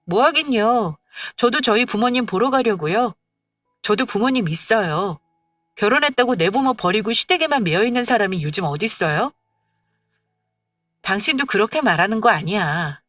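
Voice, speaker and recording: A woman's voice: medium pitch, fairly bright tone, no room sound. A woman voicing a fed-up young wife who talks in a curt, indignant way.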